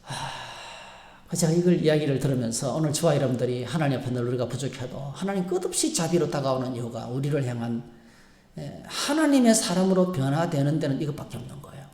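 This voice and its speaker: A male pastor preaching a sermon in a church, telling a story in an animated way with frequent fillers. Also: medium pitch, a little fast. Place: church sanctuary. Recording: echoey church sanctuary.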